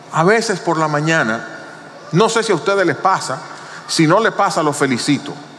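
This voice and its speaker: Lively in intonation and high in pitch, a man speaks at a moderate pace with long, frequent pauses, audible room echo and noticeable background noise. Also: very even loudness. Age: 50s. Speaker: pastor. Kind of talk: sermon. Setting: church.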